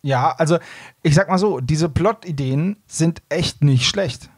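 A man's voice: on the high side, measured pace, husky, no echo, clean studio sound. A man hosting a podcast, chatting casually about audio dramas. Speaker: podcast host.

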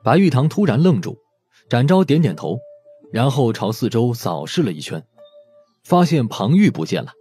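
A man's voice: mid-range voice, sing-song, moderate pace, warm tone, slightly rough, faint music behind. A man narrating a scripted audiobook story expressively.

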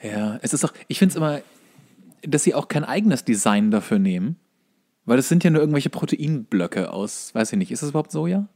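A man's voice: mid-range voice, sing-song, fairly quick, warm tone. A man co-hosting a podcast in casual chat, explaining things conversationally in loose tangents. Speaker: podcast co-host.

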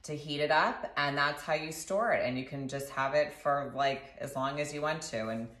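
A woman in her thirties casually walking through a recipe in her home kitchen, chatty and relaxed, filmed by a camera across the counter. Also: deep voice, normal speed. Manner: relaxed, chatty instructions with fillers. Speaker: doctor sharing recipes. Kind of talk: casual cooking demonstration. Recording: echoey kitchen, slightly distant.

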